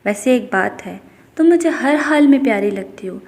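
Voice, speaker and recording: A woman's voice: fairly high pitch, expressive, darkish tone, in a large hall. Woman voicing a tender devoted young husband. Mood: teasing.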